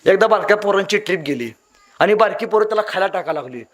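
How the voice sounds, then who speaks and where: A man giving a motivational speech to young people, telling stories dramatically and swinging between loud appeals and hushed lines. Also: high-pitched, expressive, quick pace. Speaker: motivational speaker.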